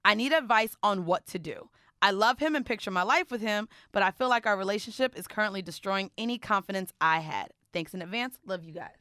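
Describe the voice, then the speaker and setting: Young woman podcast host, bright voice, super dry studio sound, talks blunt n slangy. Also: medium pitch, animated, brisk, no room sound. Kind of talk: casual, unfiltered chat.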